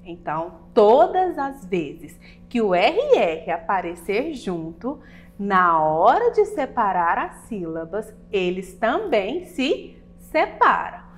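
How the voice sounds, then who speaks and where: Slow, lively schoolteacher. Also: female voice, medium pitch, faint music behind. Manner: slow, clear, patient explaining with questions to pupils. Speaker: teacher. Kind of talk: recorded children's lesson.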